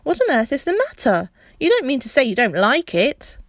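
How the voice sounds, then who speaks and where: A woman reading as a polite young boy, earnest and a touch impatient, speaking up a little higher than the narration. Dry, close storybook reading. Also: lively intonation, moderate pace, creaky, no room sound. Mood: puzzled.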